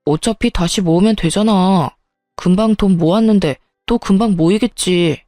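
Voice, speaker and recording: A woman's voice: medium pitch, normal speed, mellow, dry recording, clean studio sound, faint music behind, close to an everyday voice. A woman reading the lines of an arrogant, belittling husband in a spoken story. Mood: smug. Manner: smug and belittling. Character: arrogant, dismissive married man. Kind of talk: storytelling with voiced dialogue.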